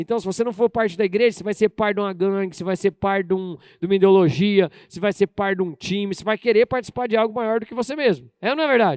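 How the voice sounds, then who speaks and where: A man's high-pitched voice at a very fast pace, ordinary pitch variation, dry and close with no echo. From Brazil, Maringá (Paraná). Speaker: pastor. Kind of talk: sermon.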